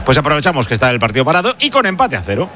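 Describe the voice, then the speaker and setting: Fast-talking radio host. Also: male voice, fairly high pitch, huge pitch swings, pushed and bright, slight background noise. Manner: quick, chatty, joking asides. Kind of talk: live radio football chat.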